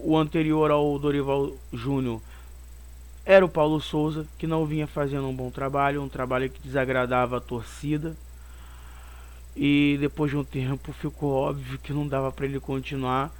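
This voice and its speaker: A man with a Brazilian Portuguese accent, hoarse from a cold and speaking on the high side, hosts his own football channel. He rambles through opinionated commentary on a match, circling back to points he's already made.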